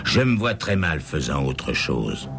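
A man's voice: rumbling low, very animated, measured pace, vocal fry, over music, full character voice. A man voicing a moaning, panicky motel manager. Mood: resigned. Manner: lamenting, plaintive. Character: panicky whining male motel manager, middle-aged.

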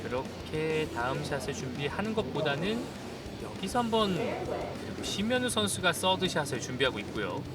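Male golf play-by-play commentator, high register, very animated calls, set back from the mic under loud music. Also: moderate pace, recorded from a distance. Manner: exclaims and calls shots in short announcements. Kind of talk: live golf tournament commentary.

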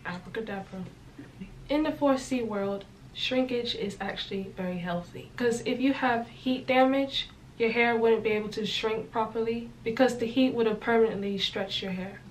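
A woman's voice: on the high side, moderate pace, a little hiss or hum, poor audio. A young woman vlogging in casual chat, emphatic and opinionated, in a small indoor room. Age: young adult.

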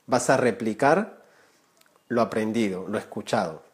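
A man's voice: on the low side, unhurried. A man in his thirties, a Spanish teacher, talking earnestly and directly to viewers during a live stream from a small room. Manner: earnest, gestures with hands, addresses viewers directly. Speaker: Spanish teacher, channel creator. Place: small room indoors, warm lamp light.

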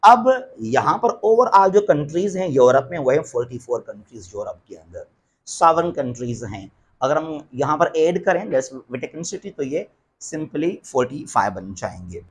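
A man lectures on geography in front of a map, his voice sitting fairly high. He keeps asking rhetorical questions and answering them himself. He slows right down to spell out the English terms. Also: very animated, breathy edge. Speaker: teacher.

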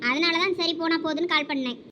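A woman's voice: very high-pitched, fast, pushed and bright, a little hiss or hum. A woman in a village comedy skit, voicing an annoyed young girlfriend who sulks at her boyfriend. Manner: annoyed, sulking.

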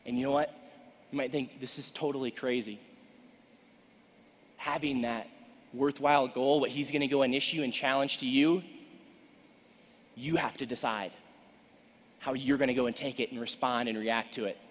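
A man in his twenties giving an earnest, emphatic motivational keynote speech to an audience, with deliberate pauses. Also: medium pitch, steady tone, a little hiss or hum. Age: 20s. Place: large conference stage indoors, seated. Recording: echoey hall with long reverb.

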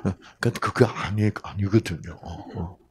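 A man's voice: low voice, a little slow, a little mellow. A middle-aged man from the region, giving a folksy health lecture with many hesitant fillers and homely humor. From Gyeongsang region, South Korea.

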